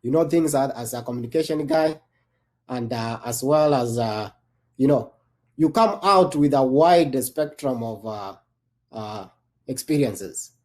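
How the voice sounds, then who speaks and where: Kenyan-born man, soft dark voice. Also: mid-range voice, a little slow. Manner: rambling, many restarts and fillers. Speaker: panel guest, army veteran. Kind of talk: panel discussion.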